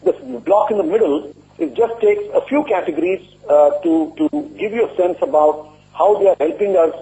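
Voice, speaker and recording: A man speaking as a company executive, giving a formal, measured and deliberate earnings presentation. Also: high voice, animated, dark tone. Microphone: conference call line. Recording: muffled lo-fi conference call audio.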